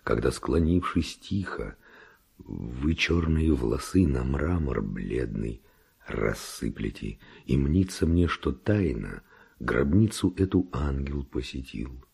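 Bold romantic spanish nobleman in a radio play, gravelly dark voice, swoops around theatrically. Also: very deep voice, lively intonation, slow pace, exaggerated voice. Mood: reverent, ardent. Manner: ardent, declamatory. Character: bold, passionate Spanish nobleman, a seducer posing as humble hermit. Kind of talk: theatrical verse radio drama.

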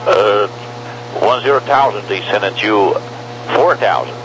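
A man's voice: fairly low pitch, slow pace. A man with a Brazilian accent giving air traffic control instructions over a helmet radio. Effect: aircraft helmet radio. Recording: noisy aviation radio with hum.

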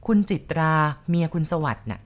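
A woman's voice: brisk, darkish tone, natural voice. A woman reading the part of a stern older man who insistently lectures a younger man about a ghost. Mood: lecturing. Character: stern older male landlord explaining ghost lore.

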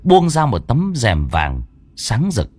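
A man narrating a ghost story in a dramatic, expressive way. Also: medium pitch, slow, a little hiss or hum.

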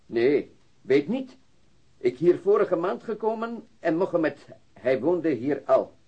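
An actor playing an immigrant truck driver who speaks halting, broken Dutch as a non-native, searching for words. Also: male voice, a little high, sing-song, husky, exaggerated voice. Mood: hesitant. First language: not Dutch. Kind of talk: radio drama acting. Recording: dull, band-limited radio recording.

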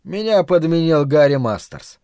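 A man voicing a quiet, firm father who speaks calmly and evenly in an audiobook. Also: clean tone, dry recording, clean studio sound. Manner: calm, low, measured.

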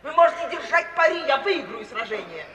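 An actress playing a brisk, self-assured young woman in a radio play, direct and cool. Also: high voice, sing-song, sharp tone, exaggerated voice. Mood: defiant, playful. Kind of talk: 1950s Soviet radio theatre acting. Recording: old noisy radio recording, echoey hall, distant.

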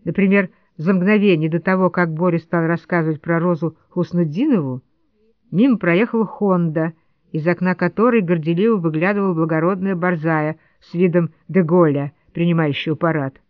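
A woman's voice: fairly low pitch, normal speed, dry recording. A woman narrating a first-person memoir as an audiobook, in a wry, lightly ironic storytelling manner. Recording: dull lo-fi dry studio read.

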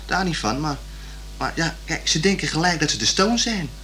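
A young working-class man with a mid-pitched, very lively delivery. He is awkward and colloquial, stubborn yet good-natured, in radio drama. Faint hum sits behind him. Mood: sceptical. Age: young adult. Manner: halting, colloquial, repeating himself. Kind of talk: naturalistic radio play dialogue.

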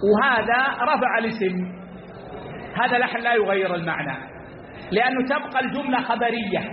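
Man, very high voice, religious teacher, repeats key phrases, long hall reverb, tinny phone-like sound. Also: slight background noise. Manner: addresses listeners as brothers; slow and deliberate, drawing out words. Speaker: Islamic scholar teaching a class. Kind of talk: explanatory religious lesson. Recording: echoey hall over tinny lo-fi line.

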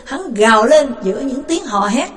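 Expressive woman storyteller, lightly raised pitch. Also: normal speed. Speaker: narrator. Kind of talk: dramatic audiobook narration.

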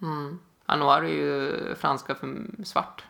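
A man's voice: a little high, flat delivery, creaky, sharp tone. A young man co-hosting a podcast from his living room, talking casually with frequent fillers and restarts. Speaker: podcast co-host. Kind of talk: casual chat.

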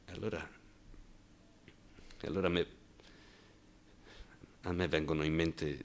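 Wounded, bitter gay man, radio drama monologue. Low, tense voice, repeats words, throws out sarcastic questions. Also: sharp tone. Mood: anguished, subdued. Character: bitter, wounded gay man denouncing macho military cruelty. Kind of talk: theatrical radio monologue, colloquial and impassioned.

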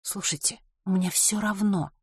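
A woman's voice: medium pitch, fairly even intonation, a little slow, slightly rough, dry recording, clean studio sound, voice pushed up. A narrator doing a defiant teenage girl. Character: sullen defiant eighteen-year-old girl.

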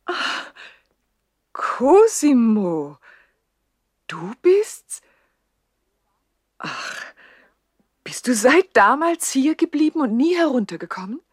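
An actress playing a haughty, coquettish young widowed princess in a 1960s German radio play, imperious and teasing in a theatrical way. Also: female voice, sits high, very animated, takes it slowly, pauses often, breathy edge, no room sound, studio quality, exaggerated voice. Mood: surprised, teasing.

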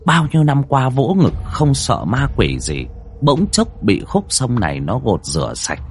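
A man's voice: mid-range voice, wildly swooping pitch, unhurried, a little hiss or hum. A man narrating a ghost story in a vivid, suspenseful way. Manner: vivid, suspenseful, swings widely between hush and alarm. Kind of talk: dramatic storytelling.

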